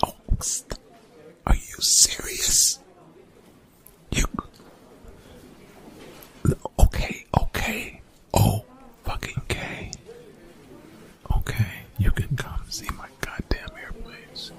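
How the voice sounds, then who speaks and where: A man playing a young college bully in an ASMR roleplay, gruff, defensive and grudgingly apologetic, in hushed, breathy, exasperated slang with swearing. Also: full character voice. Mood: dismissive, reluctant. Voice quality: whispered, breathy, gravelly low voice.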